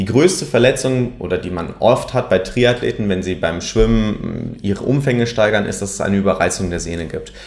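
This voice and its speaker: A man's normal speaking voice, fairly low in pitch, with lively intonation, a moderate pace and hardly any pauses. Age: 20s. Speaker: amateur triathlete. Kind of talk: interview.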